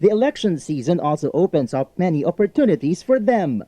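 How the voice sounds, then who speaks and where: A man's voice: on the high side, big pitch swings, normal speed, dark tone, no echo. A man with a Filipino accent reading scripted narration as a TV news reporter.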